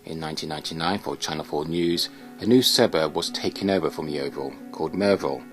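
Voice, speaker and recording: Very deep male narrator. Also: fast talker. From Britain. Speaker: documentary narrator. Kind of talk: scripted first-person narration. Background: music.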